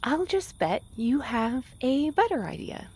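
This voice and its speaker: Woman playing a caring romantic courier, higher voice, very lively intonation, playful teasing, audio drama banter. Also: breathy edge, heavily acted. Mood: assured. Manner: expressive, solicitous, quick to banter. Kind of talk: fiction podcast acting, naturalistic banter.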